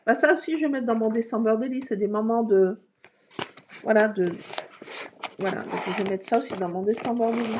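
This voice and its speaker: A scrapbooking vlogger chats casually with viewers as she crafts, talking to herself while she works and using fillers like "voilà." Her fairly high voice is a little fast with frequent pauses, and the background is noisy.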